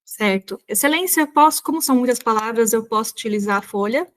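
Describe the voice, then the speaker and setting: A woman's voice: a little high, fast. A woman with a Brazilian Portuguese accent answering as a candidate in a mock oral exam. She is polite and formal and often hesitates with fillers. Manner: polite and hesitant, many fillers, addresses the examiner as "Excelência".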